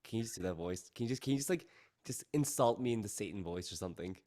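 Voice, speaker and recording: A man hosting a casual podcast, asking excitable, rambling questions of his guest. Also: fairly low pitch, fast talker. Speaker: podcast host. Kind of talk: casual interview chat.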